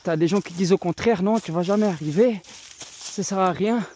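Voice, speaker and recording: A man's voice: sits high, a little fast, darkish tone, slight background noise. A man vlogging outdoors while walking a hillside trail, exhorting his viewers as friends in a preaching style, filmed on a handheld phone. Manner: walking and climbing while talking. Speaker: evangelist. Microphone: handheld phone camera.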